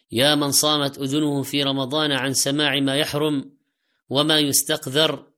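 A man's voice: mid-range voice, bright, forceful tone. A man delivering a religious sermon in formal standard Arabic, exhorting listeners with rhetorical questions and repeated direct appeals. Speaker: preacher.

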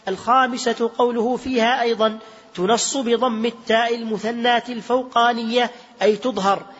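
High fast voice of a man reading aloud. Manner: steady recitation, self-correcting slips. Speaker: student reader. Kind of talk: reading a text aloud to a teacher. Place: large mosque hall. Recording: reverberant hall, dull lo-fi sound.

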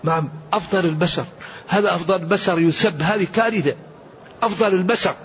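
A man's voice: high-pitched, fast talker, highs cut off, slight background noise. A man giving an earnest, emphatic Quran commentary lesson, quoting scripture and sayings as he preaches. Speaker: Quran teacher.

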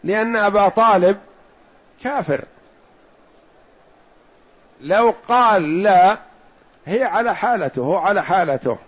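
A man giving a religious lesson, explaining a text in a measured way and slowing down to stress his points, in a dull lo-fi recording. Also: high voice, animated, slightly rough. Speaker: Islamic scholar teaching hadith commentary.

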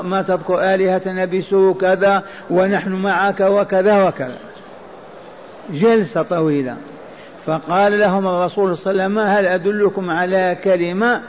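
A man delivering a sermon explaining scripture, emphatic and repetitive, asking rhetorical questions. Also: sits high. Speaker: preacher. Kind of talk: Quranic exegesis sermon. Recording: dull lo-fi recording with faint noise.

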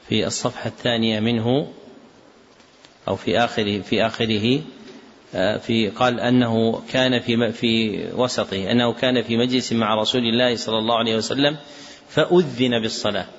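Man teaching in an echoey hall. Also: lowish voice. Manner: instructive, directing students, spells out corrections. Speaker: teacher of a hadith text class. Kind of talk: classroom lesson with corrections. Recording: dull echoey hall recording.

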